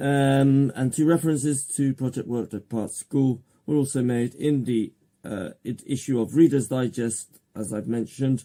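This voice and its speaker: The man's medium-pitched voice has a dark, mellow tone. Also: moderate pace. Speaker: YouTuber, local history presenter. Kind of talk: reading aloud with commentary. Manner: halting, many fillers.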